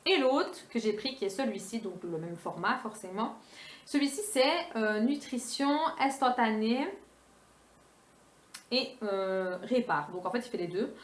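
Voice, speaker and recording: A young woman in a casual beauty haul vlog, talking quickly and chattily with many fillers. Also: on the high side, expressive. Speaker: beauty vlogger. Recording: echoey room.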